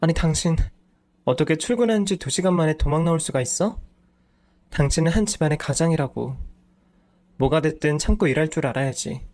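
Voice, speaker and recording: Man doing a scolding, sharp-tongued wife. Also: a little high, fairly quick, close to an everyday voice. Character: exasperated nagging wife, woman in her thirties.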